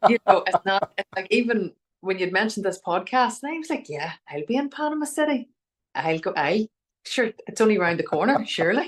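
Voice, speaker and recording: A woman with a Northern Irish accent talks at a fairly quick pace. Her fairly high pitch makes very wide swings. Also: dry, close sound with no echo. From Northern Ireland. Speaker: mortgage office manager and social media influencer. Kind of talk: interview answer. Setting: remote call.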